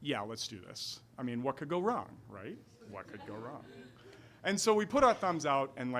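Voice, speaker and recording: Speaking with an American accent at a moderate pace, a man with a fairly high pitch sounds animated, with very wide pitch swings, big swings in loudness, and long, frequent pauses. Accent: Boston accent, stronger when excited. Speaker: storyteller. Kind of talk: live storytelling. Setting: stage with audience at a restaurant.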